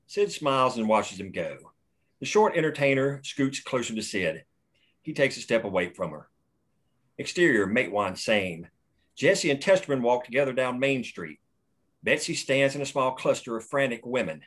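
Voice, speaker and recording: A man's voice: medium pitch, very animated, moderate pace, a bit bright. A man plainly reading the action lines and stage directions at a screenplay table read.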